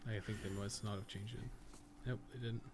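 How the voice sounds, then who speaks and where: A man's voice: lowish voice, little pitch movement, brisk, very noisy. A man doing casual, profane, joking video game commentary as he chats with stream viewers. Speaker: live streamer, podcast co-host.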